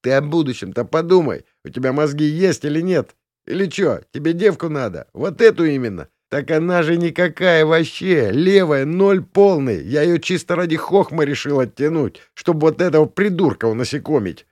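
Casting: man doing a spoiled, drunk young brat, high, whiny and brash, very lively. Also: moderate pace, no room sound, lightly acted. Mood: arrogant.

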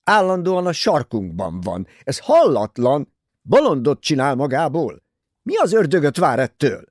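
A man performs a jittery young husband in an audiobook, raised and loud, swinging wildly in pitch as he pleads. His voice is husky and a little gravelly. The recording is close and dry. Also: no room sound. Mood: agitated. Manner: excited, pleading outbursts. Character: nervous agitated young husband, defensive.

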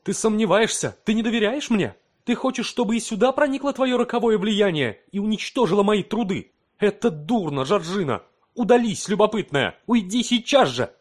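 A man's voice: a little high, lively intonation, moderate pace, darkish tone, pitched above the performer's own voice. A man voicing an anxious, obsessive scientist husband who speaks in urgent, tense outbursts. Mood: angry.

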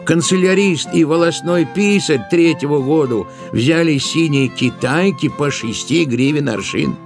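A man narrating a literary tale for an audio play in an expressive, deliberate way, drawing out certain words. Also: on the high side, gravelly. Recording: music behind the voice. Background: musical accompaniment.

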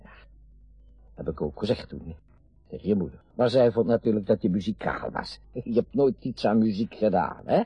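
An actor in his sixties playing a garrulous, meddling, wistful retired father in a radio play, rambling and halting, with sudden emphasis. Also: lowish voice, animated, husky, no echo, dull audio, faint music behind. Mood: nostalgic. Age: 60s. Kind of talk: naturalistic radio drama acting.

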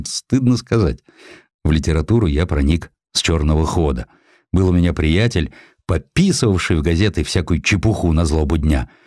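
A man's voice: deep voice, lively intonation, normal speed, darkish tone, dry recording, studio quality. A man voicing a venerable old editor reminiscing in a dramatized audiobook, theatrical and self-mocking, savoring his florid words. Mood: wry, confiding. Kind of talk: dramatized audiobook character quotes.

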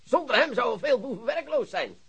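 An actor playing an excitable, boastful police chief who lectures his colleagues in a radio play. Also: very high voice, fairly quick, slightly rough, highs cut off, full character voice. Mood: excited, lecturing. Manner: animated, theatrical, lecturing colleagues. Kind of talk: Dutch radio drama acting.

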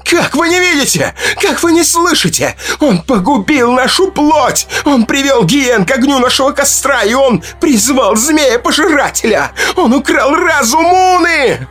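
A male narrator puts on a furious tribal herbalist woman, her voice pitched high and shrill. She hurls wild accusations in a lively, shrieking delivery. Faint music plays beneath the audiobook reading. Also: a little slow, hardly any pauses, exaggerated voice. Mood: frantic.

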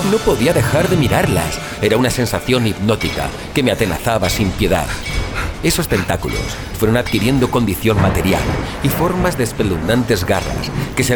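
A man playing a weary, frightened explorer who recounts his ordeal in solemn, literary, suspenseful first-person audio fiction. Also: on the low side. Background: music bed.

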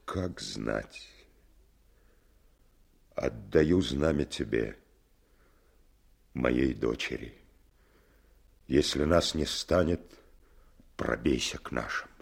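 A wounded commander in a radio drama, weary yet resolute. His voice is gravelly and badly husky. He speaks slowly and haltingly, tender as a father. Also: a bass voice, expressive, exaggerated voice. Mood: solemn, resolute. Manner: halting, labored, tender toward his daughter. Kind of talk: Soviet radio drama acting.

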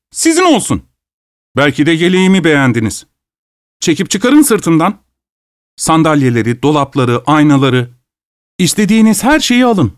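A man's voice: fairly high pitch, darkish tone, clean tone, dry recording, clean studio sound, pitched above the performer's own voice, close to an everyday voice. A man voicing a wealthy male host who forces cheerful politeness while fury builds, his manner strained and overly courteous. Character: rich host forcing cheer through rising fury, male.

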